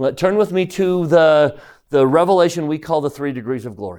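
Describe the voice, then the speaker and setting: Talking at a fairly quick pace, a man uses lively intonation and a fairly high pitch on a very clean recording with a silent background. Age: 50s. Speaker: religion teacher. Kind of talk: lecture. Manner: animated.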